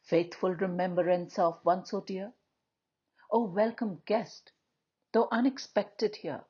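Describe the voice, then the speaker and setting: Female poetry reader, lowish husky voice, solemn and measured dramatic delivery, slightly muffled lo-fi sound. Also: a little mellow. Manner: measured, declamatory, with frequent pauses between short phrases.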